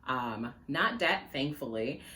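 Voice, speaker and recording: Speaking in an animated, bright, forceful bass voice at a slow pace, this woman vlogs about personal finance from home. Jamaican Patois is her first language, and she rambles casually to a tripod-mounted phone camera, full of fillers and laughs.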